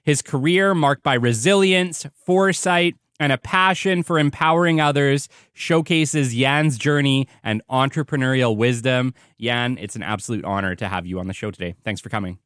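A man's voice: mid-range voice, normal speed, a bit bright, smooth, no room sound, studio quality. A man hosting a business podcast, reading a polished guest introduction and then chatting in an upbeat, enthusiastic way. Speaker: podcast host. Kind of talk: scripted intro reading, then casual interview chat.

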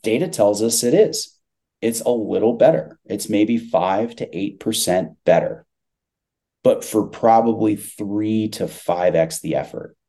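A man's voice: lowish voice, measured pace, mellow. A man talking business as a guest in a conversational interview, stressing points by repeating phrases. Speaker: podcast guest, tech company CEO.

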